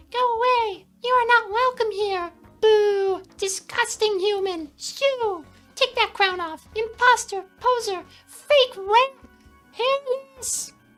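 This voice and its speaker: A shrill put-on character voice at an extremely high pitch speaks at a very slow pace. Faint music plays in the background. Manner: hostile, angry.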